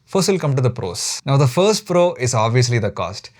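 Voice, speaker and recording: A man's voice: mid-range voice, very animated, moderate pace, a little mellow. A man with an Indian accent giving a structured product review, explaining methodically point by point. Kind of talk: structured review narration to viewers.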